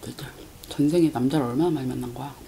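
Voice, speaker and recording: A woman chatting casually to viewers on an eating show at home at night while talking with her mouth full, soft-spoken and sometimes half-whispering. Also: a bass voice, racing, vocal fry, slight background noise. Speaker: mukbang creator.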